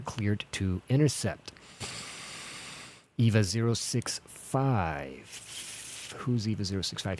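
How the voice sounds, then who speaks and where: Low-voiced man doing casual gaming commentary. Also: a little mellow. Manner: casual, thinking aloud, swearing now and then. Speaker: streamer playing an air traffic control simulator. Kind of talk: running gameplay commentary with air traffic jargon. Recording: clear background noise, keyboard clicking and typing. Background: keyboard typing and clicks.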